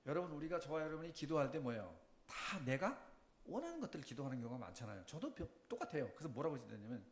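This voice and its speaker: A middle-aged man giving a sermon testimony, telling his story with lively questions to the congregation. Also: on the high side, fast talker. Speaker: preacher. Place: church. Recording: echoey church room.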